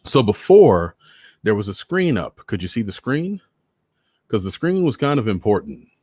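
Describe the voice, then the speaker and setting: A man's voice: on the low side, sing-song, normal speed, dark tone, husky, no room sound, studio quality. An American man hosting a live online show, chatting casually to his viewers and repeating phrases for emphasis. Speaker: host of a live online story-reading show. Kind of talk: casual livestream chat to viewers.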